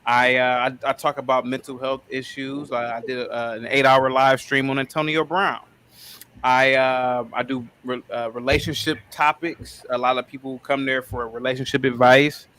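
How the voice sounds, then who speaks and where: A man's voice: mid-range voice, level tone, moderate pace, sharp tone. A man in his thirties from Ohio, calling into a live stream and talking about his own channel in an earnest, rambling way, often saying sir. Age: 30s. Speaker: caller, streamer. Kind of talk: casual live-stream chat.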